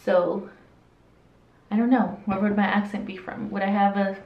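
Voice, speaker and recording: A woman's voice: medium pitch, fairly even intonation, moderate pace. A woman in her late twenties from El Salvador, raised in Southern California, with a light Hispanic accent. She talks in a candid, chatty way and restarts sentences often. Her voice is recorded on a camera in a small room that sounds roomy and a little dull. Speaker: vlogger. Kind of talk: casual Q&A while doing makeup. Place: small indoor room with a curtain backdrop.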